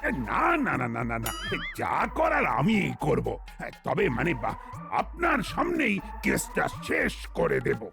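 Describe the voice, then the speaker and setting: A man's voice: a little high, huge pitch swings, a little slow, gravelly, heavily acted. A man playing a flustered, blustering police boss who stammers in a comedy cartoon. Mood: bossy. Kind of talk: exaggerated cartoon comedy acting. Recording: cartoon music behind the voice.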